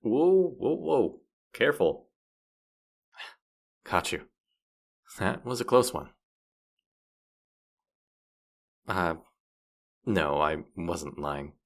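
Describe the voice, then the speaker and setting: Male actor as teasing demon guide, low gravelly voice, smug, boastful, theatrical, fantasy audio drama. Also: big pitch swings, slow pace, long pauses, exaggerated voice. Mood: alarmed, sheepish. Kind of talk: scripted roleplay audio drama.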